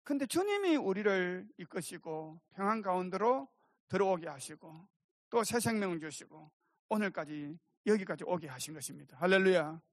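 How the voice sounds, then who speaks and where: A pastor preaches a sermon emphatically in a mid-range, animated voice at a moderate pace, speaking directly to the congregation and calling for amens. The studio sound is clean with no echo.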